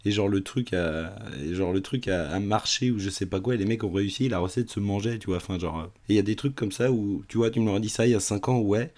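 Low-voiced rambling young man. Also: fast, few pauses, a little mellow. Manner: rambling, fillers like "genre" and "tu vois". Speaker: podcast co-host. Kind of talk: casual film discussion.

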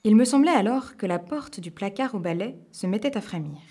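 A woman storyteller reading a children's tale aloud with lively expression. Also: medium pitch, brisk.

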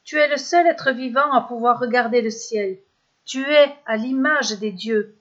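A solemn male titan of myth with a vibrant voice, as a woman storyteller puts him on. He speaks slowly and gravely, in a fairly high register, like a creator addressing his creation. The storybook recording sounds dull and lo-fi. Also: fairly bright tone.

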